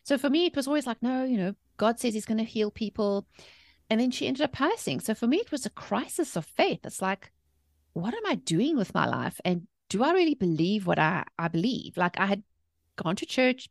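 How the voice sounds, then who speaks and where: A woman's voice: on the high side, animated, normal speed, dry recording, studio quality. A woman in her forties with a South African accent, telling personal stories in a chatty, emphatic interview style. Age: 40s. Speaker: podcast guest, mindset coach and author. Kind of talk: conversational interview storytelling.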